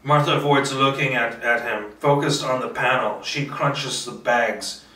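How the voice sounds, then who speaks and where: A man doing a screenplay table read with casual asides, halting as he thinks aloud. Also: medium pitch, fairly even intonation, pushed and bright. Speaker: script reader, filmmaker. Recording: roomy, distant microphone.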